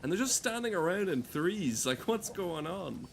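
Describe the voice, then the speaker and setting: A man's voice: high voice, very animated, moderate pace, gravelly, slight background noise. Sweary, sardonic man commenting on gameplay. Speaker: game streamer.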